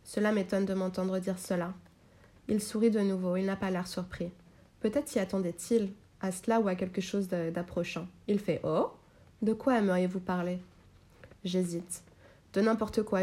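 A woman reads a novel aloud in the first person, her voice mellow and warm. Her delivery is measured and even, in the steady manner of an audiobook. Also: medium pitch. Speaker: reader.

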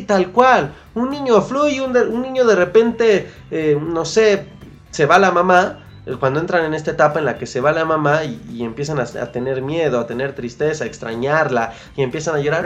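Mexican-accented podcast host, motivational monologue, mid pitch, faint music behind. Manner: coaching, repeats key phrases, colloquial slang.

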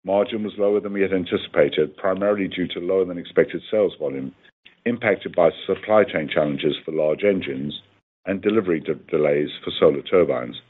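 A man with a very low, husky voice delivers a scripted financial report. He reads formally and evenly paced, like a company executive. The sound is narrow and phone-like, as on a conference line. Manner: formal, measured reading of figures. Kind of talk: scripted earnings call presentation.

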